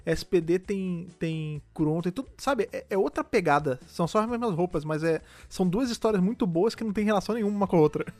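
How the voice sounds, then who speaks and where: A man's voice: high-pitched, lively intonation, a little mellow, no room sound, soft background music. A Brazilian man co-hosting a podcast, chatting enthusiastically and peppering his talk with slang fillers. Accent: Brazilian Portuguese. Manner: fast, enthusiastic, peppered with "cara". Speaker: podcast co-host. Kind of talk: casual podcast chat.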